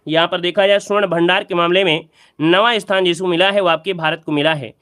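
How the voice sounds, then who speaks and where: Male exam-prep teacher, high-pitched, repetitive quizzing delivery. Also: fairly even intonation, brisk, a bit bright, clean tone. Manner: repetitive, quizzing the viewer and repeating key answers. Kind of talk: exam practice lesson.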